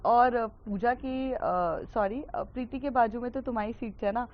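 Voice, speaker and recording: A woman's voice: a little high, fairly even intonation, moderate pace, highs cut off, lightly acted. A woman voicing Aastha, a bossy teenage schoolgirl who teases her friends, in a near-natural voice. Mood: teasing. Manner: bossy, teasing.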